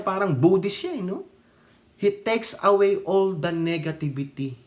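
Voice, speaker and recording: A Filipino-accented man in his fifties giving mocking, laughing political commentary in a casual vlog, switching languages and swearing. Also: sits high. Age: 50s.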